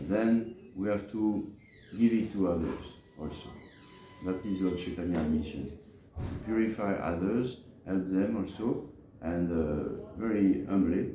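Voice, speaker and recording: A man preaching in a scripture lecture, speaking haltingly and hesitantly, with frequent pauses and repeats. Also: low-pitched, dark tone. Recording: echoey room with faint background noise.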